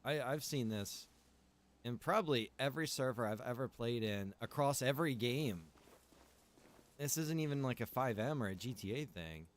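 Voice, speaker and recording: A man of middling pitch talks off the cuff as a game streamer who runs his own server. He speaks informally and loosely, circling back and repeating phrases as he works through a thought. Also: lively intonation, normal speed. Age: adult, past early twenties. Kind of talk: casual livestream chat while gaming.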